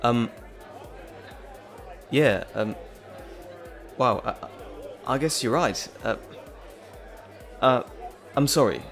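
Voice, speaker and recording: A man's voice: mid-range voice, lively intonation, drawn-out words, pauses often, a bit bright, faint music behind, some chatter behind, exaggerated voice. A man playing an earnest, nervous scientist and professor in an audio drama, with hesitant, stammering, wordy and formal speech. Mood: flustered, awkward. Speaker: voice actor. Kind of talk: dramatic roleplay audio acting.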